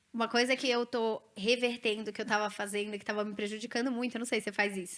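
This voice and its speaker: Speaking at a very fast pace, a woman with a fairly high pitch uses an animated tone. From São Paulo state, Brazil (São Bernardo). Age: 20s. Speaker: pedagogue. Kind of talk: podcast interview.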